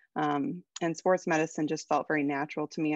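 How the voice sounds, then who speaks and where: With a Minnesotan accent, a woman speaks in a very deep, low voice and fairly even intonation, the sound dry and close with no echo against a quiet background. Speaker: orthopedic surgeon. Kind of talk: casual interview.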